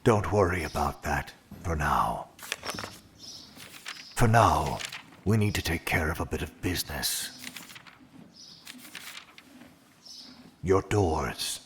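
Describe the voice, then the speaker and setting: An actor playing a cold, controlling inhuman interrogator in an audio drama, speaking in a measured, formal and deliberate way. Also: male voice, extremely low pitch, lively intonation, a bit bright, slight background noise, full character voice. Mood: stern. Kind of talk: audio drama with first-person narration.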